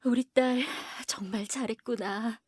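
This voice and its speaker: A tender, high-voiced slow-speaking mother. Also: fairly even intonation, a little mellow, husky, dry recording, studio quality. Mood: tender, moved. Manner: tender, emotional. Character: loving, tender mother, grateful and moved. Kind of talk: audio drama acting.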